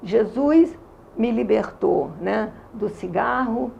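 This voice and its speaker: A woman's voice: fairly high pitch, expressive, slow pace, vocal fry, darkish tone, lo-fi sound, a little hiss or hum. A woman in her sixties with a Carioca accent, earnestly and emotionally telling her faith testimony in an interview. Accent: Carioca Brazilian Portuguese. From Rio de Janeiro, Brazil. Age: 60s. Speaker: interview guest giving a testimony. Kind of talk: religious testimony in conversation.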